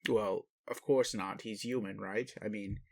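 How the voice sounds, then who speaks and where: A man playing a gentle, puzzled alien daddy in an intimate roleplay audio, indulgent and bemused, with questioning hesitations. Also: on the low side, fairly even intonation, measured pace, vocal fry, dry recording. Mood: incredulous, musing. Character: gentle, puzzled alien daddy, adult male spaceship commander. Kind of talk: intimate roleplay audio, speaking to one listener.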